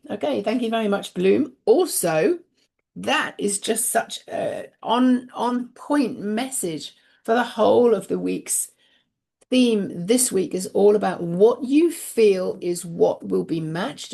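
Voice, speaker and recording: A woman hosting an oracle card reading, giving spiritual guidance in a soft, unhurried way that dwells on repeated phrases. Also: expressive, gravelly. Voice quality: deep voice. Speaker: host and oracle card reader.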